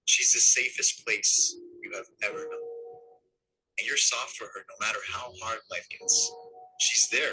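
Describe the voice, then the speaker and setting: A man reading a romantic voice-over in a slow, soft and breathy way. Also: lowish voice, slight background noise, poor audio. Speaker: voice-over narrator of a played reel.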